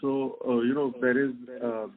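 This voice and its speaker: A man's voice: mid-range voice, level tone, normal speed. A man, a company executive on an earnings call, heard on an echoing speakerphone and hesitant, checking whether he can be heard. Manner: hesitant, many fillers, keeps checking if he is heard. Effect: echoing speakerphone on a phone line. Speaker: company executive answering analysts. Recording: tinny, dry phone line.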